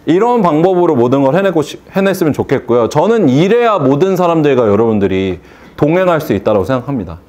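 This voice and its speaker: A man's voice: on the high side, big pitch swings, fast talker, a little mellow. A man giving a motivational speech to a seated audience, asking rhetorical questions and acting out phone calls. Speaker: hair salon owner giving a speech.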